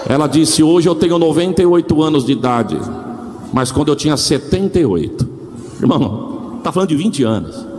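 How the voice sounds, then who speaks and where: Noticeable background noise sits behind a man talking at a fairly quick pace, with very even loudness and lively intonation. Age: 40s. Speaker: pastor. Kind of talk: sermon. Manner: animated.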